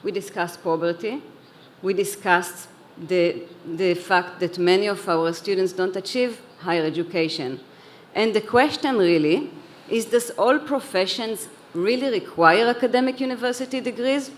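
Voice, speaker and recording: A woman's voice: medium pitch, moderate pace, a little hiss or hum. A woman who grew up in Israel, speaking earnestly on a conference panel, with a few restarts and repeated words. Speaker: panelist, head of an education organization. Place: conference hall.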